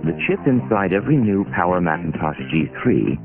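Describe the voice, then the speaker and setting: A man reading a commercial voice-over in a deep, gravelly announcer voice, over loud music. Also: very animated, a little fast. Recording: tinny lo-fi archive audio with loud music.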